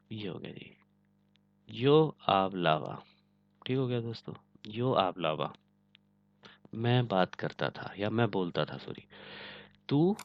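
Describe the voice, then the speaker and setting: A man's voice: on the low side, no room sound. A man teaching a language lesson, patiently checking that his students follow. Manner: patient, repeats "ठीक है ना" to check understanding. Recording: dull lo-fi, dry close sound.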